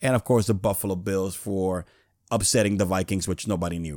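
Speaking at a fairly quick pace with an American accent, a man's very deep, low voice comes through a very clean recording with a silent background. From New York. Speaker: sports podcast host. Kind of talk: casual sports commentary monologue. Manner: animated.

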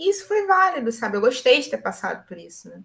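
A woman is speaking. Her pitch swings very widely. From Brazil, Niterói (Rio de Janeiro state). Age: 20s. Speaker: medical student. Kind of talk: casual interview.

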